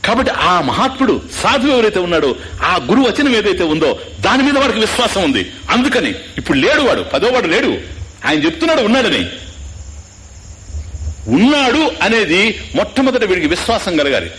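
A man's voice: high voice, huge pitch swings, a little fast, a bit bright, slight background noise. A man giving a spiritual discourse as a Vedanta teacher, often quizzing his listeners and dropping in English asides.

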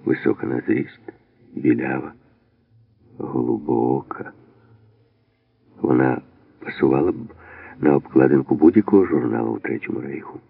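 Very deep gravelly male audiobook narrator. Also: moderate pace, long pauses, no echo. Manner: steady storytelling. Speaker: audiobook reader. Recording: dry, phone-like narrow band.

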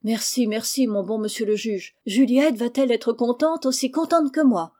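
A woman's voice: a little high, moderate pace, dark tone, natural voice. A woman reading the part of an impulsive, mischievous orphan boy, talking eagerly in a storybook. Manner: eager, pleading.

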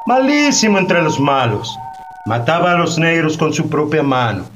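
A man's voice: a little high, big pitch swings, soft background music. An actor playing a weary old Black Brazilian peasant man in a Spanish-language radio play, rustic, rambling and brooding. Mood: bitter remembering. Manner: rustic, rambling, brooding, with slow drawn-out phrases. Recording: noisy recording with loud ambient background.

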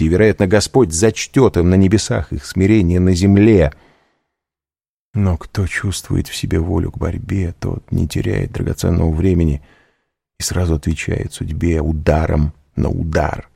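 Determined young suitor, read by a low husky man, pressing and earnest. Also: warm tone, dry recording, clean studio sound, full character voice. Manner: intense, pressing questions.

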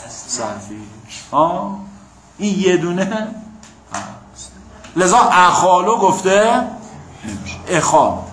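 A man gives a classroom lecture in a slightly high voice, working through the grammar point by point. He keeps asking the students whether they follow. The room is echoey, with a faint hum underneath. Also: a bit bright. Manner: explanatory, asks the class "got it?". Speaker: teacher of Quranic exegesis and Arabic.

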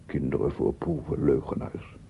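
An actor playing a paranoid, embittered amateur sound researcher in a theatrical radio drama monologue, muttering and proclaiming. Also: male voice, very deep voice, steady tone, normal speed, vocal fry, slightly rough, exaggerated voice. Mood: paranoid, agitated. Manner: theatrical, muttering to himself, repeating words, swelling into proclamations. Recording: muffled narrow-band old radio recording, noisy.

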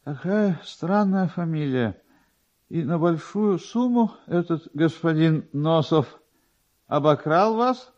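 A man voicing an officious, pedantic, slow-witted male newspaper clerk in a dramatised literary reading, drawing his words out. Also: fairly high pitch, expressive, a little mellow, pitched above the performer's own voice. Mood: puzzled, curious. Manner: deliberate, drawn-out, pedantic. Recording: dull, lo-fi archive radio recording.

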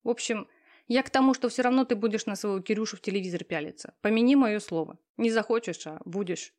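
A woman voicing a pushy, talkative young female friend who teases and lectures loudly. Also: medium pitch, fast, natural voice. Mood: bossy. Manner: loud, teasing, talkative.

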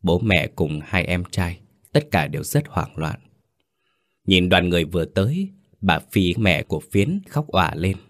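Man, grave steady storytelling, very deep voice, dry close sound. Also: unhurried, no echo. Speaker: narrator. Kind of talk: scripted story narration.

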